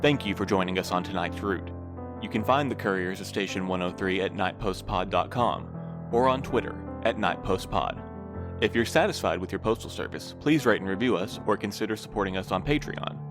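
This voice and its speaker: A man's voice: deep voice, brisk. A man reading a scripted podcast outro as the show's announcer. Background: guitar music.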